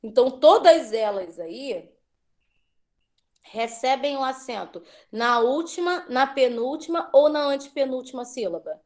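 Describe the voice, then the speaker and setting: A woman's voice: high-pitched, expressive, unhurried, darkish tone. A woman teacher giving an online class, patiently drawing out words as she drills syllables.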